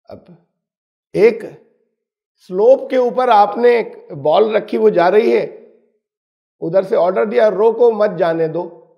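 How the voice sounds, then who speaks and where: Male Quran teacher, high gravelly voice, emphatic and explanatory. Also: pauses often, lo-fi sound. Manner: explanatory, emphatic, uses everyday examples. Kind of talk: religious lesson.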